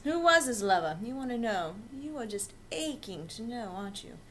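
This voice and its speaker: A woman's voice: on the high side, big pitch swings, moderate pace, fairly bright tone, slight background noise. A woman playing a gossipy, scandalized storyteller, drawing out a comic monologue dramatically. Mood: sly, teasing. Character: scandalized storyteller recounting father's sordid small-town secret. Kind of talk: comedic character monologue.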